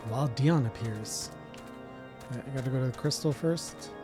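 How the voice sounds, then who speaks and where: Relaxed male gaming streamer, native French speaker. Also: mid-range voice, normal speed, over music. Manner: relaxed, musing, self-deprecating, trails off. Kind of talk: casual gameplay commentary.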